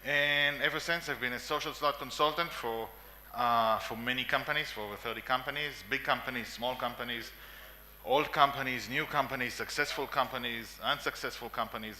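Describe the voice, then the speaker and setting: A man in his forties with an Israeli accent gives an emphatic conference talk in a meeting room, repeating lists and dropping frequent coughs and fillers. His mid-range voice has a sharp tone and is a little fast, with a bit of hiss or hum.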